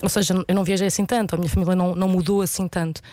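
A woman in her thirties with a European Portuguese accent, an actress answering interview questions in a thoughtful, hesitant way with many pauses and fillers. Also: on the low side, fairly even intonation, mellow, no room sound. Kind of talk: reflective casual interview talk.

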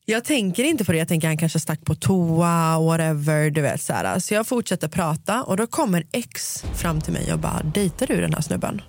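A woman's voice: low voice, expressive, few pauses, darkish tone, dry recording, studio quality. A young woman chatting casually on a podcast, retelling a story through lots of quoted dialogue and slipping English phrases into her Swedish.

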